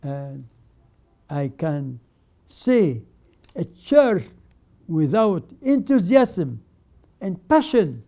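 An older man whose first language is Arabic, presenting a religious program as a patriarch and giving a sermon in short, emphatic phrases with many pauses. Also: fairly high pitch, very animated, warm tone. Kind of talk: slow spoken sermon.

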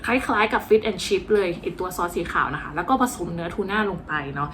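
A woman's voice: lowish voice, fairly quick, slight background noise. A woman talking casually and playfully about a cooking class, joking at her own expense. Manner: chatty, playful, self-mocking. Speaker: vlogger.

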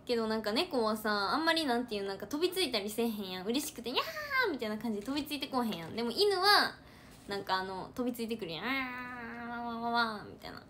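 Young woman, Kansai accent, fairly high voice; casual livestream chat, animated, loops back over her words. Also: a little hiss or hum. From Hyogo, Japan. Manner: chatty, animated, repeats words for emphasis. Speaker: idol trainee livestreamer.

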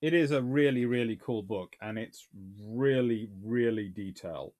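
A slightly mellow, medium-pitched man in his thirties speaks at a moderate pace. He's a naval historian fielding viewer questions on a casual livestream from a small room lined with books, thinking out loud and restarting sentences.

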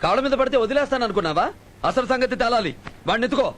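Suspicious, threatening boss; fast scolding delivery with a high pitch. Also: male voice, expressive, over music. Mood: stern. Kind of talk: film dialogue. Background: film score.

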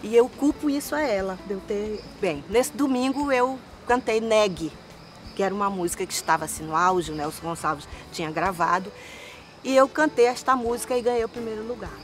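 A woman's voice: mid-range voice, brisk. A woman, telling stories of her singing career outdoors in a forest park. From Manaus, Brazil. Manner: animated, lively storyteller with hand gestures. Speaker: singer guest. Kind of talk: storytelling interview answers.

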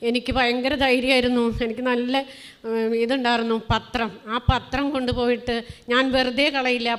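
A middle-aged Malayali woman giving an earnest, emotional religious testimony, telling her story with halting restarts. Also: fairly high pitch, fairly bright tone, smooth. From Kerala, India. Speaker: testimony giver.

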